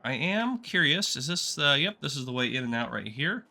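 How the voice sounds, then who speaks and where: A man's voice: medium pitch, sing-song, moderate pace, gravelly, pushed and bright. A man hosting a casual game map tour, talking in a chatty, easygoing way, congested and with a sore throat. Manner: chatty and easygoing, rambling asides. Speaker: gaming channel host.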